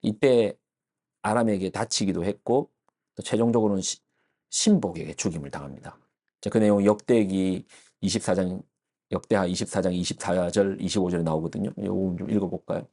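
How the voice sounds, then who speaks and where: A man delivering an early-morning church sermon in a low, mellow voice. He explains the passage step by step, often pausing on fillers and restarting words mid-phrase. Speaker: pastor.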